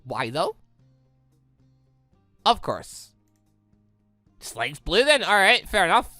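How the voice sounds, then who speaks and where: A man's voice: high-pitched, huge pitch swings, takes it slowly, bright, forceful tone, no room sound, soft background music. A man reading a visual novel aloud as a gaming YouTuber, adding his own asides. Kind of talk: animated read-aloud with asides.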